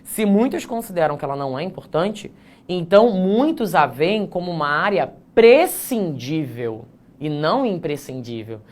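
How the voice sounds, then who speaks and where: A man teaching an online essay-writing class, joking at his own slips, drawing words out slowly to show how they are pronounced, and checking in with the class often. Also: fairly high pitch, sing-song. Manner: playful, self-mocking, frequent "tá?" check-ins; stretches words slowly to demonstrate pronunciation.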